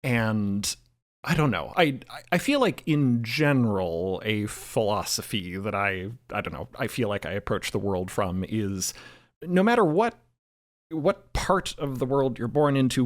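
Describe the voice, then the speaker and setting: A man speaking as a panelist in a casual roundtable, thoughtful and halting, restarting phrases as he explains. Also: mid-range voice. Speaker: podcast co-creator and panelist.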